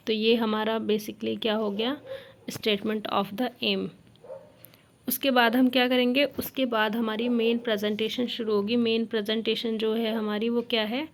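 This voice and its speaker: Female teacher trainer, fairly high gravelly voice, flat pitch, explains a lesson plan step by step. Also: slight background noise. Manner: reads English lines slowly, then explains in Hindi.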